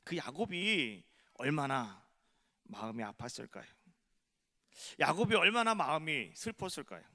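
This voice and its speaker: A male pastor delivers a sermon in a church, his voice bright, forceful and fairly high. He moves from slow, hushed storytelling to loud, fervent pleas. The sound carries a long church-hall echo. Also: big pitch swings. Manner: storytelling preacher who slows down and softens, then swells loud and fervent. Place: church sanctuary.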